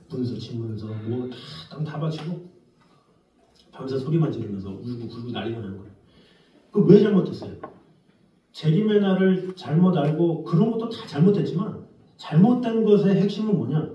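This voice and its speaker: Animated pastor preaching in an echoey sanctuary. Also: male voice, on the high side, fairly quick, lo-fi sound. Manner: lively, conversational preaching, acts out quoted voices. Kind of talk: sermon. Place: church sanctuary. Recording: echoey church hall, distant mic.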